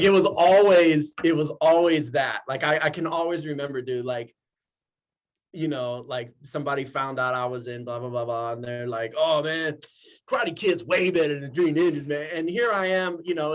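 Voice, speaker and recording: Man in his forties, fairly high voice, excitable, laughs a lot, casual interview guest. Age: 40s. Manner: excitable and animated, laughs often. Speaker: actor guest.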